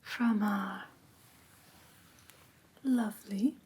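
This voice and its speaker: A woman voicing a prim, strict vampire teacher in a soft, breathy whisper, formal and precise, for an ASMR roleplay class. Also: mid-range voice, fairly even intonation, heavily acted. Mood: formal, instructive. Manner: formal, precise, deliberate, theatrically stern. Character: prim, strict female vampire teacher of human pet care. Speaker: ASMR performer.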